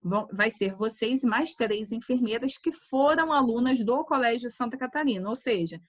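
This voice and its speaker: A woman, a nursing teacher talking casually to her class and telling a lively anecdote full of quoted voices. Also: on the high side, moderate pace, dry recording. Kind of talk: casual class talk, storytelling. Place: online class.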